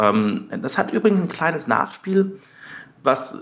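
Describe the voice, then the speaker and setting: A man is talking. His voice swings very widely in pitch. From Germany, partly Munich. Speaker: political scientist, professor. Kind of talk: interview conversation, debate. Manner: hesitant with many fillers.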